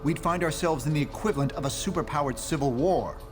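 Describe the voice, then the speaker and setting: A man's voice: on the high side, fast, lightly acted. A man voicing a pragmatic superhero leader in a game cutscene, controlled, matter-of-fact and official. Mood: measured. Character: measured, pragmatic genius male superhero leader. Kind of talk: video game cutscene dialogue. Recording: music behind the voice.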